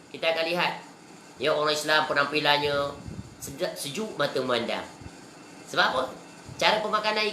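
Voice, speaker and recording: A woman's voice: low voice, pushed and bright, slight background noise. A woman with a Malaysian Malay accent giving a religious lecture, asking her listeners rhetorical questions and mixing in English words. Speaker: religious teacher. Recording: echoey room.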